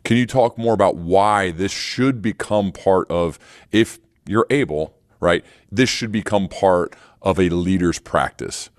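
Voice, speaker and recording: A man's voice: low voice, measured pace, no room sound, clean studio sound. A man hosting a podcast, speaking conversationally and emphatically, repeating phrases to press his point. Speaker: podcast host. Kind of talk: conversational interviewing.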